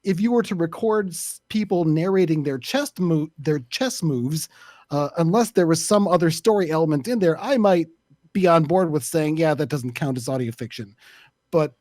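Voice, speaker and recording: A man in a casual panel discussion, speaking in a halting, thoughtful and opinionated way. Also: a little high, warm tone, no room sound, clean studio sound. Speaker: podcast panelist.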